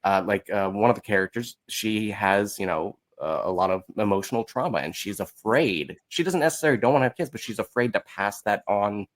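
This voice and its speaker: A man chatting casually as an interview guest, telling his story in a candid, animated, self-deprecating way. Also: fairly low pitch, a little fast, hardly any pauses. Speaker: podcast guest, musical writer.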